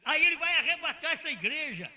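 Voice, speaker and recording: Male preacher, very high bright voice, lively impassioned delivery that jumps from shouts to murmurs. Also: fast. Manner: impassioned, swinging from loud declarations to low murmurs. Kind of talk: sermon.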